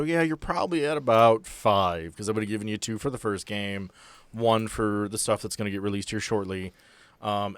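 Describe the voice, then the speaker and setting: A man's voice: on the low side, a bit bright, clear, resonant tone, no echo. A man working as game master of a role-playing podcast, explaining and narrating casually with joking, sweary asides, with music behind him.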